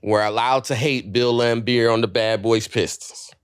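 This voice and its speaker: Animated, profane man on a podcast. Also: medium pitch, clean tone, dry recording, studio quality. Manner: animated, profane storytelling with quick voiced asides. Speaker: podcast co-host. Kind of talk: casual chat.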